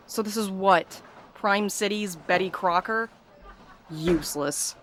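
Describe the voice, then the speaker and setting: A woman's voice: mid-range voice, takes it slowly, fairly bright tone, a little hiss or hum. A woman playing a blunt, sarcastic, distrustful young investigator in an audio drama, with a sardonic delivery. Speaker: actor in a fiction podcast.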